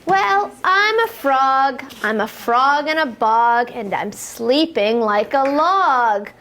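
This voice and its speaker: A woman with a high, very expressive voice reads a picture book to small children. She takes her time and draws them in with questions and playful exclamations. There is some background noise with light clicks. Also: takes it slowly. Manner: encouraging, asks the children questions and prompts them to join in; exclaims action words playfully. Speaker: storytime reader for young children. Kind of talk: animated read-aloud of picture books to children.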